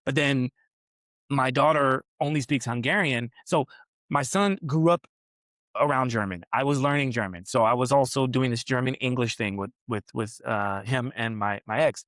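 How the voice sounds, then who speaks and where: A man's voice: medium pitch, moderate pace, fairly bright tone, no room sound. A man in his forties hosting a podcast, telling a long personal story in a rambling way and often tagging his sentences with "right?". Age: 40s. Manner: rambling storyteller, frequent "right?" tag questions. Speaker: podcast host. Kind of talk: casual interview conversation. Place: New York City, on a massage table.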